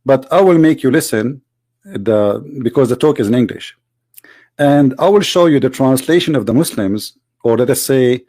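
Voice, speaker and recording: A man with a tired voice giving hesitant casual commentary as a video host, clearing his throat and pausing with fillers. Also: mid-range voice, warm tone, no room sound.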